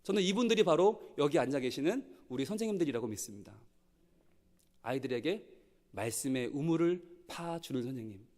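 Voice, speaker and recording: A male pastor preaching a sermon in a church, telling a story with animated delivery and acted-out quotes. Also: on the high side, a little fast. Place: church sanctuary. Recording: long church hall reverb.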